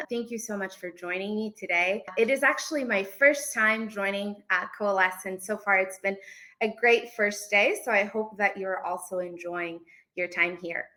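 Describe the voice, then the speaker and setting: A woman's voice: medium pitch, sharp tone. A woman from Portugal giving an informal online presentation as an events manager.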